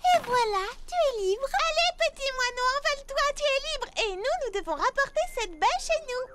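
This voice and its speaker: A woman voicing a kind, earnest young girl who leads her friends in a dubbed children's cartoon, expressive and caring. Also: very high voice, normal speed. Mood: caring, concerned. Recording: music behind the voice.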